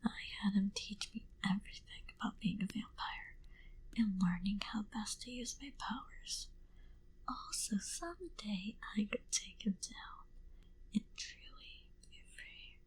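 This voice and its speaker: A woman voicing a proud, menacing vampire in a whispered ASMR roleplay, speaking deliberately and condescendingly into a close binaural mic. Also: medium pitch, huge pitch swings, full character voice, poor audio. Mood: quietly proud. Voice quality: breathy, hushed whisper. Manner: slow, deliberate, coolly condescending to the listener. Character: proud, menacing female vampire recounting her past. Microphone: close binaural microphone.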